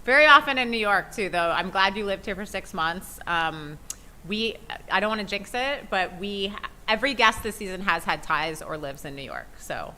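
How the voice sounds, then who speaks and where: A woman's voice: mid-range voice, lively intonation, moderate pace, pushed and bright, poor audio. A woman hosting a podcast, explaining things to an audience in a casual, conversational way. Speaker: podcast host. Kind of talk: spoken presentation to an audience.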